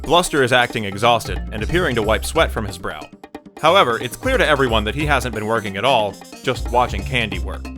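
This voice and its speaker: A man's voice: mid-range voice, animated, brisk. A man reading scripted scene-setting narration for an audio drama. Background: music.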